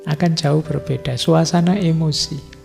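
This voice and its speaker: Gravelly middle-aged man. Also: fairly high pitch, fairly even intonation, normal speed, a little mellow. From Indonesia. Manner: conversational, teasing everyday examples, addresses listeners directly. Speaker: philosophy lecturer. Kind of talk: informal religious study lecture. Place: large mosque hall. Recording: long hall reverb with faint music.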